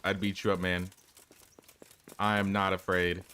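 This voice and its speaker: A man's voice: deep voice, little pitch movement, a little slow, sharp tone, clean tone. Chatty man streaming a game. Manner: chatty, talks to chat while playing. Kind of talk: casual gameplay commentary.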